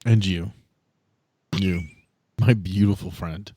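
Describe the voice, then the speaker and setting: A man's voice: low-pitched, steady tone, slow, warm tone, slightly rough, dry recording. A man running a tabletop game, blunt and teasing, moving between casual chat and improvised narration. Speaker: game master.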